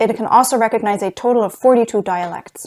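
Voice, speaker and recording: Speaking at a fairly quick pace, a woman has a German accent. Her voice is fairly high, with ordinary pitch variation. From German-speaking country. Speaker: tech reviewer. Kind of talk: product review.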